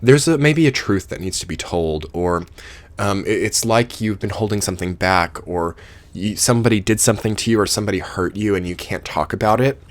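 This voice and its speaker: Male tarot reader, deep and dry, earnest and meandering, voice wearing thin. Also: fairly quick, dry recording. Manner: rambling, earnest, with many fillers. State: losing his voice. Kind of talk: casual tarot reading to camera.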